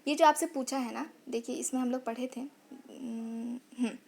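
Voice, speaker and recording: A woman's voice: on the high side, steady tone, normal speed, gravelly, a little mellow. A woman teaching grammar in an online lesson, sounding out vowels and repeating phrases as she explains.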